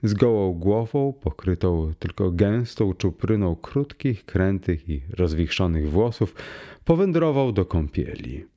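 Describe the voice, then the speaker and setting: Man, audiobook narrator, deep low voice, unhurried, lively intonation, measured literary reading.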